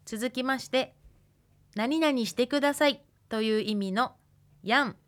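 A woman, teaching a radio language lesson patiently and pausing to think aloud. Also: sits high. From Hokkaido, Japan. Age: 20s. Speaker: language instructor.

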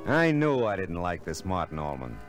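An actor playing a wry, curious hard-boiled private eye in an old radio detective drama, with clipped, slangy delivery. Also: male voice, deep voice, big pitch swings, normal speed, soft background music. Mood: intent.

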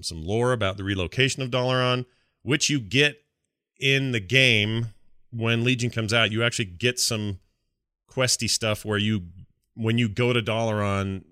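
Bright, clear-voiced man hosting a gaming podcast. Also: fairly low pitch, dry recording, studio quality. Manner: animated, jokey, acts out imagined dialogue. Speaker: podcast host. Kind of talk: casual gaming podcast chat.

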